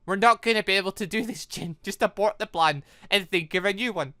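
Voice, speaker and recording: A man's voice: sits high, fairly quick, sharp tone, no echo. A man giving casual, rambling commentary over a game playthrough, reading dialogue and reacting with stammering asides. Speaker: gaming video host.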